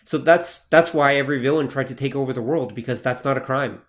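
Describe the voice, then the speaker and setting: Male podcast co-host, mid-pitched, casual explainer who steers the conversation. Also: fast, a bit bright. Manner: steers the talk, explains with asides.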